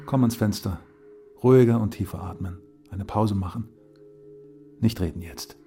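A man's voice: on the low side, normal speed, vocal fry, mellow, faint music behind. An actor playing a stern but protective male companion in a radio drama, speaking in terse imperatives. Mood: soothing, firm.

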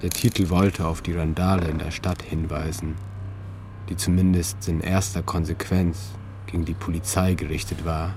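A man reading his own literary narration in a calm, measured way, with slow deliberate pauses. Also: low-pitched. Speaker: narrator and author. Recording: narration over music.

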